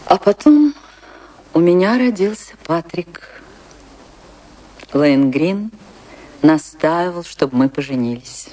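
A woman's voice: lowish voice, expressive, mellow, slight background noise. An actress playing a romantic, anguished woman dancer who tells her tragic love story in a theatrical, emotive radio monologue. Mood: nostalgic, tender. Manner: theatrical, wistful, emotive delivery with dramatic pauses. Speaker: actress narrating a radio play. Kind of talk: dramatic first-person radio play monologue. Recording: radio play with music behind.

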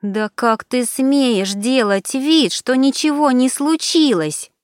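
A woman reader puts on an enraged young woman whose voice climbs high and sharp. She shouts and hisses her accusations in bursts. The read is smooth and close, with no room sound. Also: slow pace, no echo. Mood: outraged. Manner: shouting, hissing, high-pitched outbursts.

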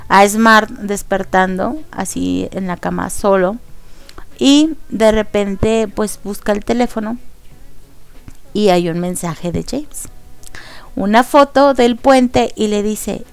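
A young woman with a Mexican accent hosting a radio show, excitedly recapping a series in casual chat. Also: medium pitch, slow, gravelly, clean tone. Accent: Mexican Spanish. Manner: expressive, excitable storyteller.

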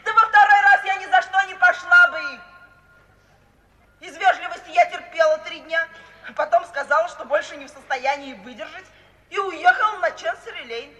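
An actress playing a brisk, self-assured, unsentimental young woman in a 1950s radio play, speaking decisively and matter-of-factly. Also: very high-pitched, sharp tone. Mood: animated, amused. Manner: matter-of-fact, decisive, bluntly insistent. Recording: old hissy radio recording, roomy and distant.

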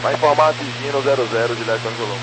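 A man's voice: mid-range voice, rapid-fire. A man with a Brazilian accent, speaking as a pilot over the radio in clipped phraseology. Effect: aviation radio. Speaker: airline and air taxi pilot on radio. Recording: noisy humming aviation radio link.

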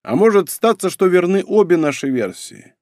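A man voicing a stern, quick-tempered emperor who barks commands, in a dry audiobook reading. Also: sits high, animated, darkish tone, no room sound, pitched above the performer's own voice. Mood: scheming. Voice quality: barking, commanding.

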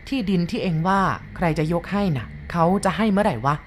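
A woman storyteller voicing a blunt, rough-spoken village man in a spoken ghost story. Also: medium pitch, expressive, quick pace, a little hiss or hum, close to an everyday voice. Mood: pushy.

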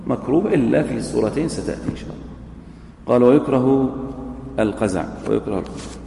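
A man's voice: medium pitch, expressive, quick pace, creaky, warm tone, slight background noise. A man teaching a jurisprudence class. He reads a line from the text, repeats it, then quizzes his students. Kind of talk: classroom lecture on a legal text. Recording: echoey hall recording with faint ambience.

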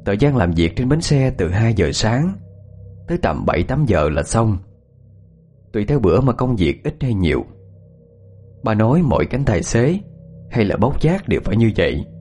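A man tells a ghost story at a steady, measured pace. Faint music plays under his narration. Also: lowish voice, slightly rough.

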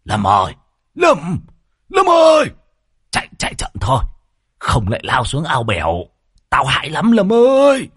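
A man voicing an excitable old village shaman who hollers at his companion. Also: fairly high pitch, unhurried, long pauses, husky, pitched above the performer's own voice, full character voice. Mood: fretful. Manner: shouting, hollering.

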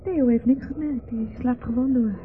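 An actress playing a fretful, caring wife of a company director in a Dutch radio play. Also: female voice, fairly high pitch, normal speed, lightly acted. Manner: fretful, solicitous. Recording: muffled, noisy old radio play recording.

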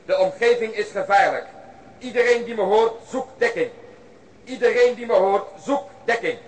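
A man's voice: sits high, moderate pace, close to an everyday voice. An actor in a Dutch radio drama playing an urgent policeman calling out public warnings. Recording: distant, faintly noisy announcement.

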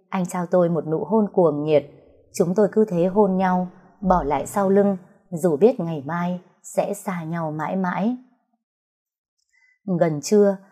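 Woman, story narrator, first-person romance, soft even delivery, mellow low voice.

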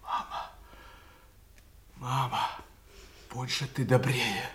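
An actor playing a sensitive, anguished grown son, apologetic and halting, in an emotional audio stage drama. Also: male voice, mid-range voice, fairly even intonation, a bit bright, slight background noise. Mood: pleading.

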